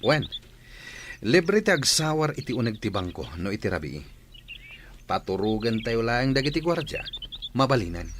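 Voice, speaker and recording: An actor with an Ilocano Filipino accent playing a smug, greedy bank robber sidekick in a radio drama. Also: male voice, mid-range voice, sing-song, moderate pace, long pauses, a bit bright, a little hiss or hum. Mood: scheming.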